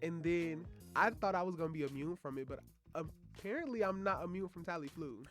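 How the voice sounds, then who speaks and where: A man's voice: fairly high pitch, animated, fairly quick, a bit bright, faint music behind. Stuffy-nosed young man co-hosting radio. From Tallahassee, Florida. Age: young adult. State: stuffed up from a cold. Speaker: co-host. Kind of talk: casual radio chat. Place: college radio studio.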